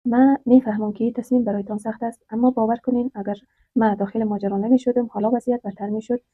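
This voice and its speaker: A woman voicing a calm, serious tribal man who speaks quietly and evenly in a storybook tale. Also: a little high, dry recording, natural voice. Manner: calm and composed. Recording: dry, tinny phone-like sound.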